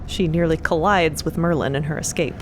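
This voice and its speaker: A woman giving scripted narration for a fantasy audio drama, with rumbling ambience behind her. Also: a little fast, noisy background. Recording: steady rumbling ambience under voice.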